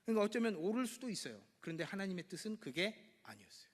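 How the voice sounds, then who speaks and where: A male pastor preaching a sermon, acting out the dialogue of his scripture passage with sudden loud bursts. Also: high-pitched, fast. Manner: lively preaching, acts out God and Abraham with sudden loud bursts. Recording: church hall with long reverb.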